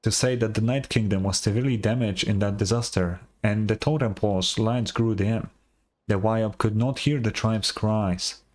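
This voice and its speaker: An actor playing an earnest tribal storyteller in a video game, telling heroic legends in a measured, reverent, solemn way. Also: male voice, on the low side, darkish tone, close to an everyday voice. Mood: solemn, dramatic. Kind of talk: dramatic storytelling, scripted game dialogue.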